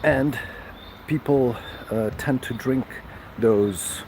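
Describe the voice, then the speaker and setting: A man hosting a casual live stream, chatting with viewers in a halting way full of fillers and restarts. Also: mid-range voice, darkish tone, slight background noise, low-quality recording. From Serbia.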